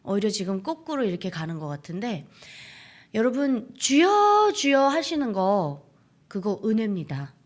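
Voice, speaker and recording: A young woman from North Korea giving an earnest church testimony, speaking straight to the congregation and sometimes dropping to a hushed whisper. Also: mid-range voice, sing-song, normal speed. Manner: earnest, addresses audience often, drops to a hushed whisper.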